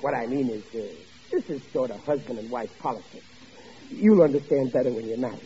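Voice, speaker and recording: An actor playing a blustering but soft-hearted working-class father in an old-time radio sitcom, stammering through his mock-stern talk. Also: mid-range voice, fairly quick, close to an everyday voice. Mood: sheepish, confiding. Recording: dull vintage radio recording, faint noise, audience.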